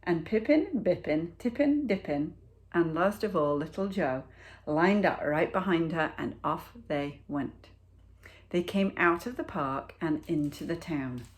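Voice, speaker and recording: Reading aloud from a picture book for children, this low-pitched woman teacher tells the tale with deliberate expression and pauses for drama.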